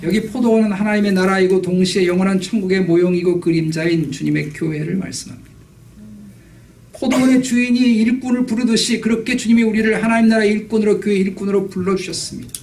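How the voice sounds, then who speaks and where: A very fast pace with ordinary pitch variation. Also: man, high pitch for a man. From South Korea (Jeolla, then Seoul and Incheon). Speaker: pastor. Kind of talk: sermon.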